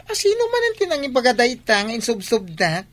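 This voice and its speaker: A woman's voice: fairly high pitch, big pitch swings, a little fast. A woman voicing a young, effeminate gay man, sassy and defensive, in an Ilocano radio drama. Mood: complaining.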